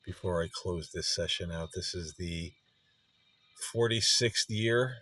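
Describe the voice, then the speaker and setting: Middle-aged male host, very low voice, dry close sound, earnest and halting reflective delivery. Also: bright, forceful tone, dry recording. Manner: halting, pausing mid-sentence, earnest. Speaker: spirit box session host. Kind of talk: slow reflective monologue addressed to a spirit.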